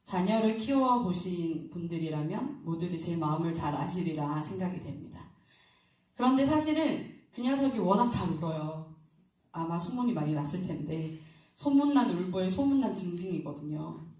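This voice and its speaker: A woman's voice: fairly low pitch, animated, normal speed, dark tone. A woman preacher giving an early-morning sermon in a church, talking conversationally and asking the congregation questions. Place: church sanctuary. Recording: very echoey hall, distant mic.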